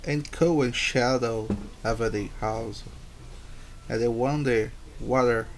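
A man with a Brazilian accent, a native Portuguese speaker, haltingly reading aloud as an English learner and repeating words and phrases. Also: mid-range voice, slight background noise. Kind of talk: halting read-aloud pronunciation practice.

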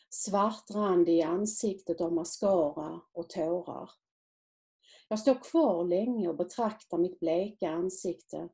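Author reading her own prose, measured and quiet, with a gravelly low female voice.

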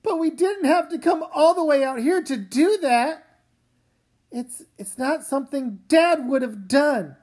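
Woman voicing a high-voiced, stubborn young girl. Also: lively intonation, measured pace, darkish tone. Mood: resentful. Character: stubborn, questioning young girl, older sister. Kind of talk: comic book read-aloud.

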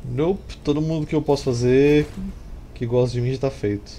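A man's voice: medium pitch, fairly even intonation, normal speed, warm tone. A man in his thirties with a Brazilian accent, commenting casually on a strategy game in informal, slangy speech. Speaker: gameplay streamer. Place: small room indoors. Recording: clear background noise. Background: game sounds and ambience.

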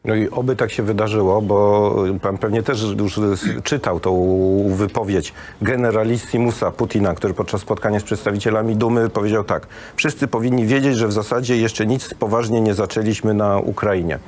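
A man's voice: on the low side, steady tone, moderate pace, hardly any pauses, a little mellow, slight background noise. A man in his thirties with a Polish accent, hosting a news interview from a TV studio and asking conversational questions. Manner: conversational, hesitant fillers. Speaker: host.

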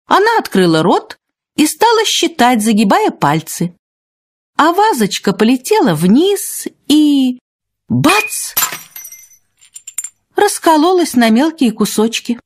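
A woman narrating a children's fairy tale from a script, expressive and husky. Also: high-pitched, slow pace, long pauses, no echo. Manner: expressive storytelling.

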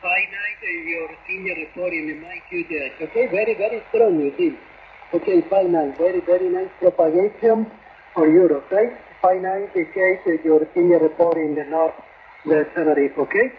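A man with a notably high voice and a Spanish accent, his native language being Spanish, speaks over a lo-fi radio link with slight static. He is an operator from the Canary Islands, giving short, repeated phrases. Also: moderate pace. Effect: radio transmission. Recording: dull long-distance radio with faint static.

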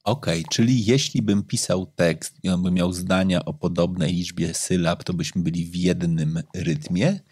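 A man's voice: sits low, fairly even intonation, normal speed, few pauses, a little mellow, breathy edge, no echo, clean studio sound. A man hosting an interview, asking short, direct questions. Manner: brief questions and backchannel. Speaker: host, interviewer. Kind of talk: interview conversation.

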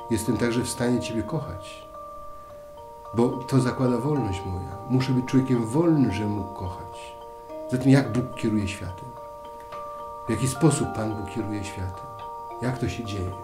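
A priest in his fifties giving a thoughtful spiritual talk to camera, asking questions and then settling into quiet answers. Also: medium pitch. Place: dim room at a table, indoors. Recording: roomy echo, faint music.

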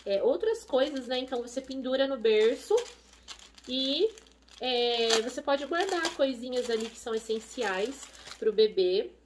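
A woman's voice: sits high, unhurried, slight background noise. A woman with a Brazilian Portuguese accent chatting casually and effusively as she shows off purchases in a haul video. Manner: effusive and chatty, gushing over items. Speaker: vlogger, expecting mother. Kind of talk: casual shopping haul chat. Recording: voice a bit far from the mic.

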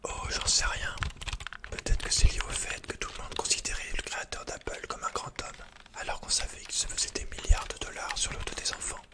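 A man's voice: brisk, lightly acted. A young man playing a withdrawn, cynical young hacker in a hesitant, murmured ASMR roleplay. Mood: bitter, disillusioned. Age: young adult. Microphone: close-up mic, seated at desk.

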